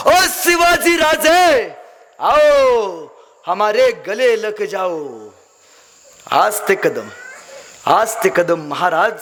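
A man's voice: high voice, pushed and bright, slight background noise. A young man telling a dramatic story as a public speaker, declaiming and repeating phrases for emphasis. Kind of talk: fiery storytelling speech.

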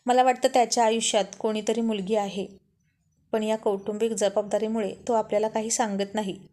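A woman voicing an earnest young woman gently persuading her parents in a told story. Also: medium pitch, little pitch movement, fairly quick, close to an everyday voice.

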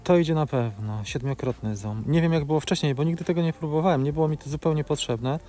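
A man's voice: a little high, fast talker, dark tone, faint music behind. A man in his forties gives a practical, step-by-step tutorial commentary while flying a drone outdoors, with filler sounds between phrases. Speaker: drone video creator. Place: outdoors in open grassland.

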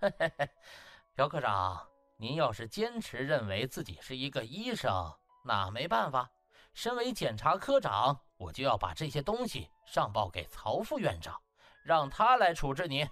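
A man's voice: mid-range voice, huge pitch swings, moderate pace, pushed and bright, faint music behind. A man voicing a cocky young hospital section chief who taunts with slick mock politeness and sly chuckles. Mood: mocking, smug. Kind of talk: audiobook character acting.

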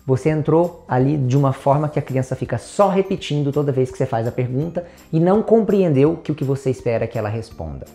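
A man's voice: mid-range voice, animated, fast talker, hardly any pauses, mellow. A man with a Brazilian Portuguese accent, a child development specialist explaining a method step by step in an educational video. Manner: methodical, steps through examples.

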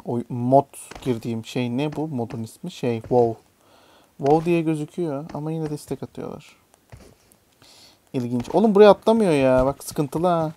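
Young guy mumbling over his game, mellow voice, cusses when he misses a jump, faint hiss behind. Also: mid-range voice. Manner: muttering, swears and yelps at failed jumps. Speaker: gaming YouTuber. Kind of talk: casual gameplay commentary.

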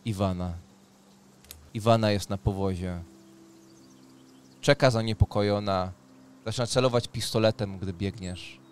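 A man's voice: on the low side, fairly even intonation, unhurried, pauses often, clear, resonant tone. A man working as game master, narrating a tabletop roleplaying game in a dramatic storytelling manner. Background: music.

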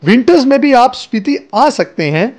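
A man's voice: very high voice, very animated, moderate pace, darkish tone. A man narrating a travel guide as a scripted voice-over, speaking to viewers as friends. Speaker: travel vlogger. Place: voice-over, not recorded on location. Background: faint background music.

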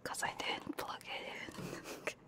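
A woman streaming ASMR, chatting casually in a soft, hushed, breathy whisper close to a binaural microphone while sick with a cold. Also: slow pace. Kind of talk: ASMR, casual livestream chat. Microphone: close binaural ear microphone.

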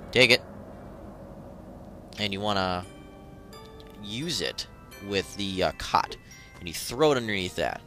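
A man hosts a game video with a casual, irreverent walkthrough commentary, tossing in jokey interjections over game music. His voice is fairly low with a sharp tone.

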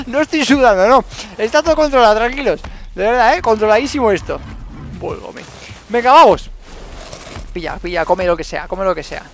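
Excitable man in gravelly game commentary. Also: high-pitched, slight background noise. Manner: excitable, repeats words in rapid bursts, talks to himself. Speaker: gaming YouTuber. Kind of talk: live gameplay commentary.

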